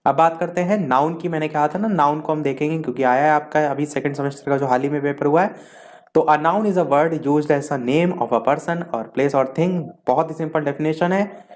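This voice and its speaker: A man teaching an exam-prep English grammar lesson, explaining in Hindi and reading English definitions slowly. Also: on the high side, darkish tone.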